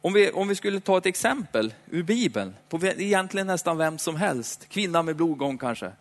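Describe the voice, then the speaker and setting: A man preaching a sermon in a chatty, playful way, slowing down for dramatic emphasis. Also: on the high side, animated. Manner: conversational, dramatic slowdowns, playful asides. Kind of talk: lively sermon. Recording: hall reverb.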